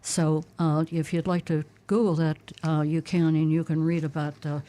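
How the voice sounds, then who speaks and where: A woman from Pittsburgh co-hosts a call-in radio show, reading out numbers and news in a friendly, chatty way. Her voice sits low and sounds warm and mellow. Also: level tone, moderate pace. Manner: friendly, laughs easily. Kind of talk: casual call-in talk and announcements.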